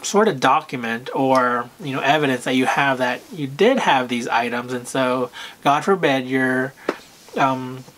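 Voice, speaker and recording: A man talking casually to camera about luxury purchases, with a soft, soothing voice and a hesitant manner full of pauses and fillers. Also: mid-range voice, a little hiss or hum. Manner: unhurried, hesitant, full of "um" and "you know", frequent throat clearing. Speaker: luxury fashion vlogger.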